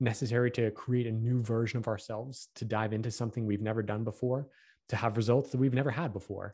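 Somewhat breathy, a man's voice sits at a medium pitch with a dark, mellow tone. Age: 20s. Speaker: spiritual podcast co-host. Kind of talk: personal story monologue.

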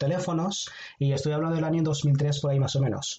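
Heard with audible room echo, a man speaks in a fairly high pitch with monotone, flat intonation. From India, Agra. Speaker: guest sharing life story. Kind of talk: interview. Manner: halting.

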